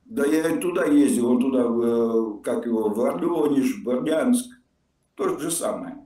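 A man's voice: medium pitch, moderate pace, dark tone. An older man in a blunt, mocking casual argument over a video call, swearing freely. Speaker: video chat stranger. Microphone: remote video call audio. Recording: distant echoey video call.

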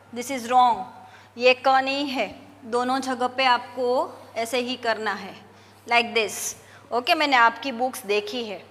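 A woman teacher going slowly and patiently through a lesson for young pupils, mixing English words into her talk. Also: fairly high pitch, sharp tone, big-room sound.

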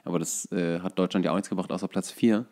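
A man in his thirties with a fairly low voice chats casually about sports as a podcast co-host. He feels his way through his sentences, hesitating and thinking out loud. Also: steady tone, quick pace. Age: 30s.

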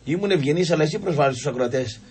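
A man with a very raspy, fairly high voice co-hosts a sports talk show on the radio. He is chatty and agreeable, often nudging his partner with questions. The sound is a radio broadcast. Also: expressive, darkish tone.

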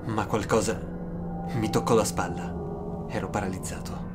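A man narrating a scripted first-person horror story, with dramatic, suspenseful pauses. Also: lowish voice, steady tone. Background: music.

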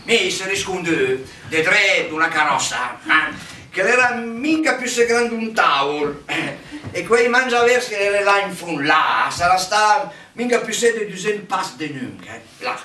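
A man's voice: sits high, expressive, unhurried, bright, forceful tone, heavily acted. An actor with a Milanese accent playing a blustering, indignant, middle-aged man in a stage comedy, spluttering and repeating himself in exclamations. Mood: huffy explaining. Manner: spluttering, stammering repetitions, exclamatory. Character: blustering, indignant man boasting of his patriotic duty. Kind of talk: comic stage acting in Milanese dialect. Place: indoor theatre stage. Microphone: far camera. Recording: echoey theatre stage from far off, faint noise.

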